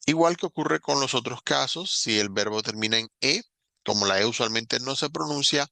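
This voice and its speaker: A man, an English teacher explaining grammar patiently in a recorded online lesson and slowing down to spell out examples. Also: medium pitch, vocal fry, pushed and bright, no room sound.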